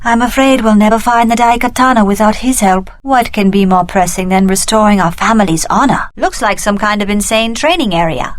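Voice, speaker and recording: A woman's voice: medium pitch, a little fast, hardly any pauses, dry recording, lightly acted. A woman voicing a cunning young warrior heiress in a video game, with an articulate, dramatic delivery. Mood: earnest, then brisk, businesslike.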